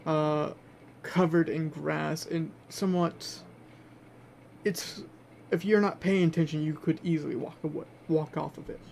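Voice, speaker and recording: A man acting as game master in a tabletop game, improvising narration in a halting way as he searches for words. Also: fairly high pitch, fairly even intonation, gravelly, a little mellow. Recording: faint background noise.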